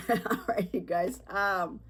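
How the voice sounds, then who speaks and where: A woman's voice: medium pitch, slow, a bit bright, husky. A sick, stuffed-up woman hosting her own podcast, talking candidly and rambling with fillers. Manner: candid, chatty, rambling with fillers and nervous laughs. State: congested, sick with a sore throat. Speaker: podcast host. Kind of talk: casual solo podcast talk.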